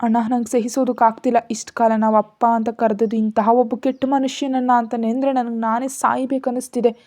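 A timid, hopeful young office assistant, as the woman narrator voices her, hesitant and faltering over her words. Her tone stays mellow and soft-edged. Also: fairly high pitch, level tone, a little fast, lightly acted. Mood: tearful.

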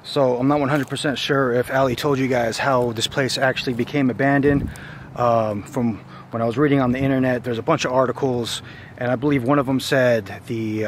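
A man in his thirties hosts an informal exploring vlog with a mid-pitched voice. He talks haltingly, thinking aloud as he walks. The handheld camera audio carries a light layer of ambient noise. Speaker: host exploring abandoned places. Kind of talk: casual exploration vlog, narrating as he goes. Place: outdoors and inside derelict buildings, walking. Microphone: handheld camera at arm's length.

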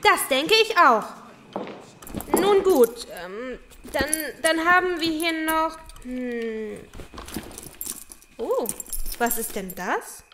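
A woman playing a ceremonious little creature assistant in a children's audio drama, formal and deliberate. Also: high voice, lively intonation, fairly bright tone, slight background noise, exaggerated voice. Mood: disapproving. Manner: formal, deliberate, puzzled pondering. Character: ceremonious female mouse-folk assistant presenting found objects.

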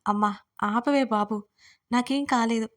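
A woman voicing a lovestruck young woman student, soft and dreamy, in a storybook reading. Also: on the high side, unhurried, natural voice.

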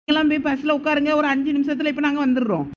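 Fussing village aunt, played by a woman, quick talker, slightly dull recording. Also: high-pitched, steady tone, slight background noise, close to an everyday voice. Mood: exasperated.

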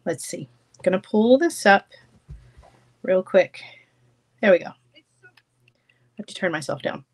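A woman in her thirties hosts a jewelry-making livestream from her home craft room, chatting casually with viewers in a medium-pitched, slightly slow voice that sounds stuffy and congested. She's chatty and animated, gesturing with her hands.

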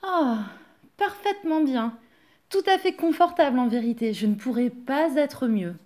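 A woman's voice: fairly high pitch, normal speed, warm tone, lightly acted. A woman voicing a poor, humble man who stays content and polite.

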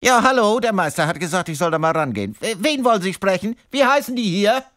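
Guy doing a blunt loud builder on a joke voicemail, high voice all over the place. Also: lively intonation, fast. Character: blunt, loud demolition workman answering a phone. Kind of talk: comic answering machine sketch.

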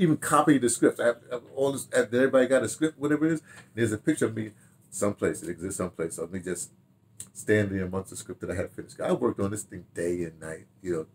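This older radio drama director and producer, in his 60s or 70s, has a lowish, darkish voice, and the audio carries a slight hiss or hum. Indoors in a furnished room at home, he reminisces to camera in a casual, rambling way, repeating phrases and half talking to himself.

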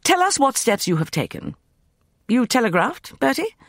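A man voicing a brisk, formidable Victorian lady who leads the group and speaks in a commanding, crisp way. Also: very high-pitched, big pitch swings, fairly bright tone, dry recording, clean studio sound, pitched above the performer's own voice, exaggerated voice. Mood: questioning.

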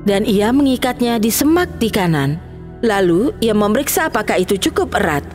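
Expressive woman narrating a children's tale. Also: medium pitch, normal speed, soft background music.

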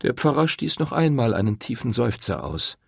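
A male audiobook narrator with a low, gravelly and husky voice. His reading moves lively through its pitch, and the close recording is dry. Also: normal speed, no echo. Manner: expressive, animated reading.

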